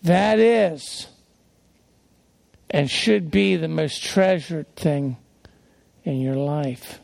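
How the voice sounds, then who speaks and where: A middle-aged pastor with a soft-spoken, folksy way of talking, preaching a sermon that wanders through personal stories. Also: male voice, fairly high pitch, very slow, vocal fry, no room sound.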